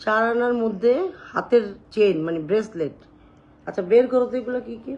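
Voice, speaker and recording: A woman hosting a live sales stream, showing jewelry and talking loudly and chattily to her viewers. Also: on the high side, fairly quick, muffled recording. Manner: loud, chatty, addresses viewers directly.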